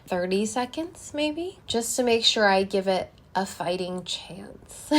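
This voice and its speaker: A young woman talks casually to her viewers while trying on lipstick, explaining each step as she goes. Her voice is a little congested from a recent cold. She is recorded close to the camera in a small room. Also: on the high side. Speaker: beauty vlogger. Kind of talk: casual product review.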